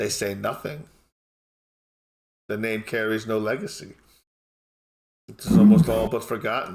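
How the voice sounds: A raspy, put-on character voice from a man, medium in pitch, at a moderate pace with long, frequent pauses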